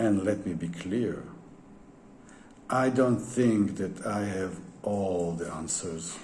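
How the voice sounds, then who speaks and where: Talking very slowly with long, frequent pauses, a man with a non-native accent uses a fairly low pitch and ordinary pitch variation. Noticeable background noise and audible room echo surround his voice. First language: not English. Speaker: spiritual teacher. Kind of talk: monologue talk. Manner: halting.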